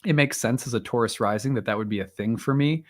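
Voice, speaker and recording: A hoarse male astrologer rambling live. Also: medium pitch, quick pace. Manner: rambling, hesitant, frequent fillers and restarts, clears throat. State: voice strained and tiring. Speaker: astrologer, live stream host. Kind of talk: casual livestream talk and chart reading.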